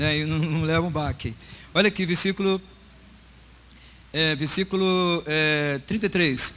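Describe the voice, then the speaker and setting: A man speaks at a fairly slow pace with long, frequent pauses. His fairly high voice has a bright, sharp tone and ordinary pitch variation. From Brazil, Rio de Janeiro. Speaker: pastor. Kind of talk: sermon.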